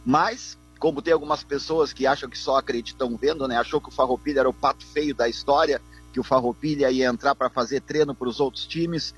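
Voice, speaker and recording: Husky man on speakerphone. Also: mid-range voice, fairly even intonation, fairly quick, soft background music. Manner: earnest, repetitive, keeps addressing the host. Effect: on speakerphone over a phone line. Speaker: football club vice-president calling in. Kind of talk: phone-in radio interview.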